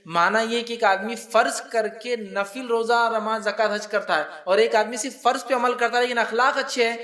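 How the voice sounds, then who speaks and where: High-voiced man giving a casual religious talk. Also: steady tone, sharp tone. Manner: explains with everyday examples, keeps asking the listeners if they follow; conversational and unscripted, with restarts and asides. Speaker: Islamic preacher.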